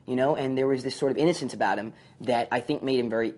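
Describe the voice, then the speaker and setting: A man, a former sitcom actor, telling stories in an interview, animated and full of fillers. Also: medium pitch. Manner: fast, animated storytelling with many fillers. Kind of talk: retrospective interview.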